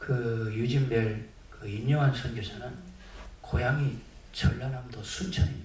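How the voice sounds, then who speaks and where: Against noticeable background noise and audible room echo, a man at a medium pitch speaks at a very slow pace. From South Korea, North Jeolla. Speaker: missionary. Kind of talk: sermon.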